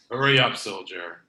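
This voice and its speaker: A man playing a brisk, scheming video store clerk in a comedy table read, emphatic and comically blunt, in a roomy, echoing space. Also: mid-range voice, pushed and bright, heavily acted.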